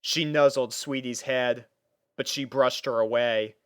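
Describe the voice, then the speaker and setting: A man's voice: medium pitch, fairly even intonation, unhurried, clean tone, no room sound, studio quality. A man reading scripted story narration as the narrator of a piece of fiction.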